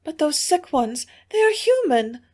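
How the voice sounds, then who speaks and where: A woman reading the part of a distressed young Earth woman, speaking in a high, tearful, pleading voice. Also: normal speed.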